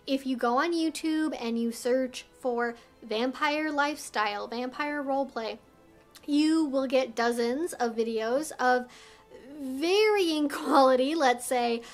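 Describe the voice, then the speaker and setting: Over soft background music, a woman with a high-sitting voice speaks slowly to her vlog audience. Her educational, explanatory style is articulate, conversational, and careful.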